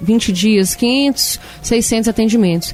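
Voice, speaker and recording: A woman talks at a fairly high pitch, varying it in an ordinary way, while music plays behind her. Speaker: radio program host. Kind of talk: conversational radio interview talk.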